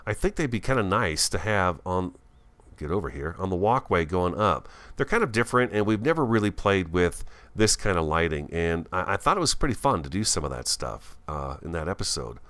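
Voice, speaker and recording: A man giving casual, chatty gameplay commentary as a host, thinking aloud and easily excited, talking with a swollen, bitten tongue. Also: low voice, brisk. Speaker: gaming video host.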